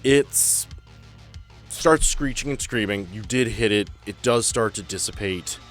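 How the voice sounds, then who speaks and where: A man running a tabletop roleplaying game as game master, improvising the narration in a dramatic, deliberate way with pauses. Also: lowish voice. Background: guitar-led music bed.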